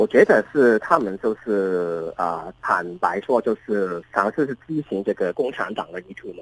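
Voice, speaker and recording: A man at a fairly low pitch, lively in intonation, fairly slow yet with hardly any pauses, big swings in loudness, the sound dry with no echo. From Hong Kong. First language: Cantonese (speaking Chinese). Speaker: former secondary school teacher; former teacher telling his story. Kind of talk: interview. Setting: remote call. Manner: halting. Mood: calm, measured, serious. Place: hall. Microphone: handheld.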